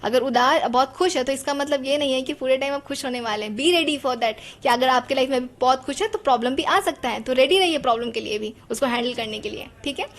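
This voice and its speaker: High-voiced chatty woman teacher. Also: fairly quick, few pauses. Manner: chatty, asks the class rhetorical questions. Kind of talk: explaining a psychology lesson.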